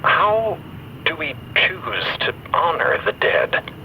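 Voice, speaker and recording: A man's voice: fairly high pitch, wildly swooping pitch, slow, bright, forceful tone, slight background noise, heavily acted, poor audio. An actor playing an earnest, troubled male crew member in audio fiction, formal and hesitant in manner. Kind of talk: audio fiction character dialogue.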